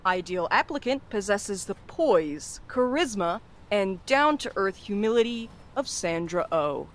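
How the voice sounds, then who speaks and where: A woman's voice: mid-range voice, expressive, a little slow, natural voice. A woman playing an irreverent young courier in an audio drama, with a wry, teasing, casual manner. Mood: playful. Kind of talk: naturalistic audio drama acting.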